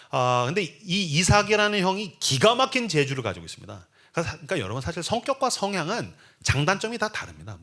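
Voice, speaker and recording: A man in his forties preaching a humorous revival sermon in a church, telling the story with acted-out dialogue. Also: fairly high pitch. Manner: animated storytelling, acting out dialogue in voices. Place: church sanctuary.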